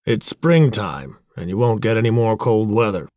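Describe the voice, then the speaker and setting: A man's voice: on the low side, expressive, normal speed, a little mellow, dry recording, clean studio sound, close to an everyday voice. A man voicing a wry, plainspoken frontier onlooker in a storybook, with a folksy, rustic manner.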